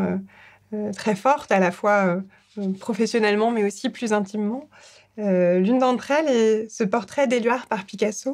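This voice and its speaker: A woman speaks at a fairly slow pace in a fairly high pitch. Her pitch variation is ordinary, and the background is quiet. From France. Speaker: museum director. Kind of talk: personal testimony. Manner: halting, many hesitations. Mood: warm, reflective, smiling. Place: studio.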